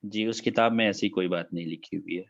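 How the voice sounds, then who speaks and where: A man's voice: low-pitched, fairly even intonation, vocal fry, muffled recording. A man teaching an online class, repeating key facts and dates.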